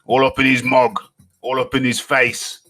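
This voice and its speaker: A man's voice: mid-range voice, level tone, normal speed, bright, forceful tone, soft background music. A man hosting a live boxing talk stream, repeating phrases, joking and hyping his viewers. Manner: repeats phrases, hypes viewers, jokes around. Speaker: boxing talk show host.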